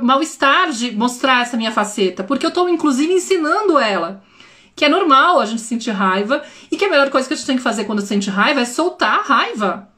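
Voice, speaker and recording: Chatty woman parenting educator, slightly high. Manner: expressive, chatty, addresses viewers often. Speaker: parenting educator hosting a live stream. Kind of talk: casual live-stream talk.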